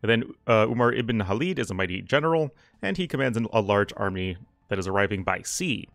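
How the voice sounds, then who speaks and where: Relaxed man reading game briefings. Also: lowish voice, a little fast, vocal fry, no echo, clean studio sound. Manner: reads mission text aloud, relaxed and chatty. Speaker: gaming channel host. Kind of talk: let's play commentary.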